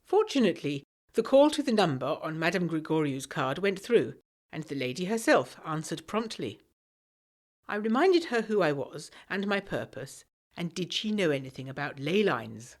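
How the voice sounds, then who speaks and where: A woman's voice: low voice, normal speed. An actress playing an earnest, anxious young Englishwoman of the 1920s, reading her letter in formal, articulate English tones for a gothic audio drama. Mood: reflective. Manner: formal, articulate, expressive period diction.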